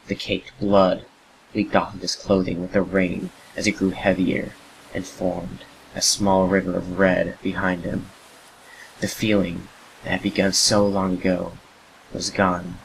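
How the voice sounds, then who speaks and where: Low, even male horror narrator. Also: gravelly, slight background noise, rough recording. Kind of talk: scripted horror story narration.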